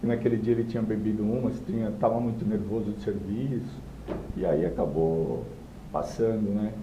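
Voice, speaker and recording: A man's voice: on the low side, normal speed, highs cut off, background noise. Man telling a story, roomy sound. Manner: animated, acts out quoted voices. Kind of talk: casual storytelling.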